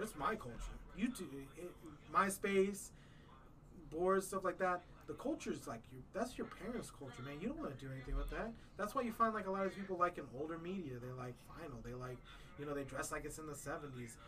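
A man's voice: on the high side, lively intonation, fairly quick, a bit bright, distant mic. A man hosting a podcast in casual chat, laid-back and rambling, filling his talk with "man" and "you know". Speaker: podcast host.

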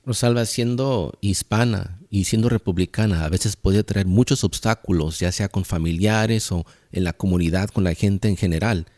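Male podcast host with a slightly low voice, calm and formal as he asks questions. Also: moderate pace, hardly any pauses. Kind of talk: interview questions.

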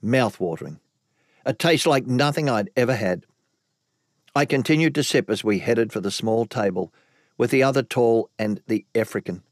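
A man's voice: medium pitch, moderate pace, no room sound, clean studio sound. A man narrating an audiobook in the first person, telling the story evenly.

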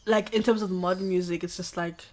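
A woman hosting a casual podcast chat, relaxed and slangy, thinking aloud with fillers. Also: lowish voice, a little fast. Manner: relaxed, slangy, talks through ideas with fillers. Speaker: podcast host. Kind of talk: casual chat about music.

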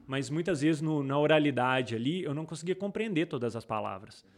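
A man's voice: a little high, a little fast. A man from Brazil with a Brazilian Portuguese accent, a guest in a casual interview, telling stories with many restarts. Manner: rambling, frequent restarts, animated retellings. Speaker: guest, entrepreneur.

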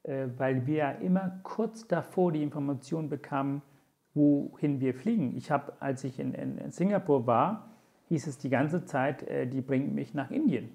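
A gravelly-voiced man in his forties whose first language is Tamil, speaking as a podcast guest. His pitch sits in the middle, and he recounts events earnestly, pausing often on "äh" and "ähm" as he searches for words. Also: darkish tone. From Sri Lanka. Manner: many hesitation fillers, earnest and reflective. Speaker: interview guest. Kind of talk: conversational storytelling.

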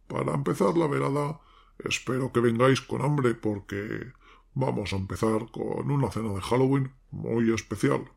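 A man playing a mocking, ghoulish crypt-keeper who theatrically presents horror tales with sardonic glee and a gravelly, raspy voice. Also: medium pitch, moderate pace. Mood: gleefully sardonic. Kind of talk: theatrical horror anthology introduction.

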